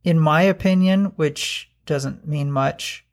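A man's voice: on the high side, takes it slowly. A wisecracking man co-hosting a podcast in casual chat, with wry remarks. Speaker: podcast co-host.

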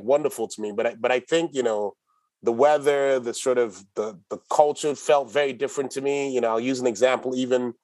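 A man's voice: mid-range voice, no echo, poor audio. Guy in his 40s or so, chatting as a guest, lots of restarts, dry close sound. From Ghana. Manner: relaxed storyteller, many restarts and laughs. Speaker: guest, company executive. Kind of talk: casual interview talk.

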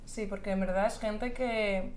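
A woman's voice: mid-range voice, steady tone, measured pace, darkish tone, roomy sound, slight background noise. A young woman whose first language is Valencian, a singer chatting casually in an interview, thinking aloud with restarts and little laughs.

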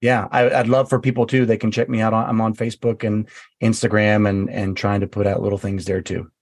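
Halting male author telling stories, dry. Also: lowish voice, dry recording. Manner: halting, repeats words, animated when quoting himself. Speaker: author guest. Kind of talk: storytelling interview.

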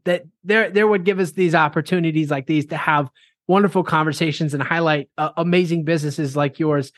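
A man's voice: on the high side, fairly bright tone, no room sound, studio quality. A man hosting a casual interview, upbeat and repeating himself, with some fillers. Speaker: podcast host.

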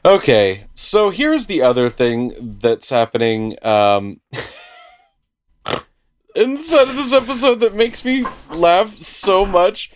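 A man's voice: high voice, very animated, slow. A man co-hosting a podcast, retelling an anime episode as a playful storyteller who laughs often. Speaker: podcast co-host. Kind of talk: casual anime recap chat.

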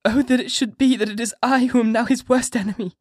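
A man's voice: fairly even intonation, fast, no echo, clean studio sound. A man doing a frantic, sobbing young wife. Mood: sobbing despair. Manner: high, pleading, sobbing.

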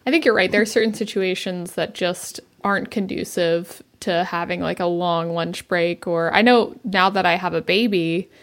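A young woman with a mid-range voice chats easily on a podcast. She tells anecdotes in a loose conversational flow and often pauses on "like" and "you know.". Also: lowish voice, fairly even intonation. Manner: conversational, storytelling, frequent fillers. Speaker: podcast co-host. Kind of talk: casual chat.

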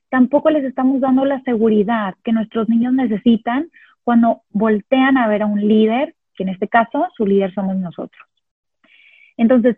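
A woman calmly explaining parenting steps one at a time, sometimes acting out the phrases she would say to a child. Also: a little high, dry recording. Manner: calm step-by-step explaining, models phrases to children. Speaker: parenting educator. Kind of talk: instructional talk on positive discipline. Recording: husky voice over a tinny phone-like line.

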